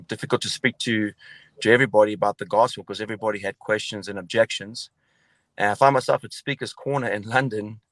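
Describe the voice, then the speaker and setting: A man's voice: on the low side, a bit bright, no room sound. A middle-aged man from Zimbabwe with a South African accent, telling his story as a radio guest over a video call, with many hesitations. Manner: hesitant, many fillers and restarts.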